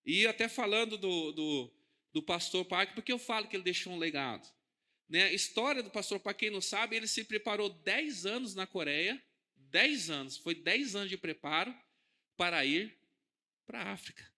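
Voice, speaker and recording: Bright, high-voiced Brazilian preacher. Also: male voice, animated, normal speed. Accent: Brazilian Portuguese. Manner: conversational, asks the congregation questions, wide swings in loudness. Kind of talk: sermon. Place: church hall.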